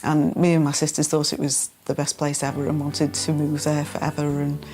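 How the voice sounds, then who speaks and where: Woman, middle-aged, low voice, chatty and relaxed, casual interview, background music. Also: normal speed. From Liverpool, England. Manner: chatty, relaxed, some hesitations. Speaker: house buyer.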